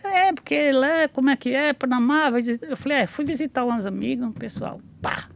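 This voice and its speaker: A woman's voice: sits high, a little fast, vocal fry, a little hiss or hum. A woman in her sixties telling her life story in a casual interview, rambling with many restarts and tag questions. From Brazil. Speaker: interview guest, memoirist.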